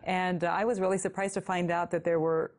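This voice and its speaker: A woman from Cuba, a guest singer in a TV interview who tells her stories at an unhurried pace. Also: fairly low pitch, flat delivery. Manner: unhurried anecdotal storytelling.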